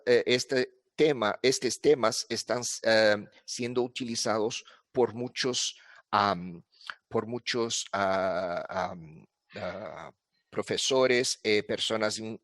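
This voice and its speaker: Slow, halting male conference speaker. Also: on the low side, a bit bright, no room sound, studio quality. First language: not Spanish. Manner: halting, with many filler sounds and restarts. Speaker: conference presenter. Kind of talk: academic talk at an online congress.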